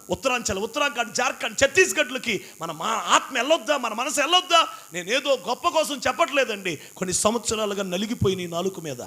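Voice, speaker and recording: A man's voice: extremely high pitch, sharp tone. A man preaching an impassioned sermon, acting out pleas and quotes. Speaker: pastor.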